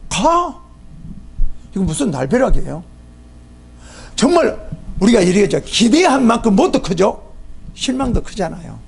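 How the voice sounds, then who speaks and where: A man preaching a sermon as a pastor, animated and acting out the voices of people in the story. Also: high-pitched, moderate pace, gravelly, long pauses, husky.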